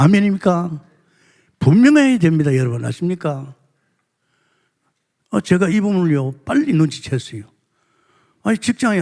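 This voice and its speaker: An older man preaching a Sunday sermon as pastor, asking the congregation rhetorical questions and swinging between soft murmurs and emphatic exclamations. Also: a little high.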